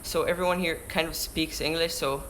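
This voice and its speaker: Chatting on a livestream from indoors beside a window, an Israeli teen surfer vlogger with a Hebrew accent reads out questions from viewers and answers them, often restarting mid-word. He speaks in a fairly high, steady, fairly bright voice at normal speed, with a little hiss or hum from the camera-mounted shotgun mic.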